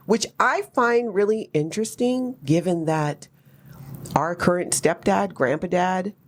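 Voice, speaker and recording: A woman in her fifties from Hawaii, hosting a podcast and telling her own life story in a candid, wry, animated way with lots of asides. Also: fairly low pitch, a little slow. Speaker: podcast host. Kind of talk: personal storytelling chat.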